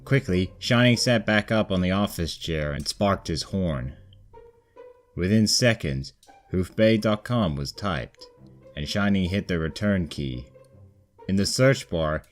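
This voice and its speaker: Male narrator for a comedic fan fiction reading, low-pitched, over a light music bed. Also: lively intonation, unhurried. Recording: background music under the voice.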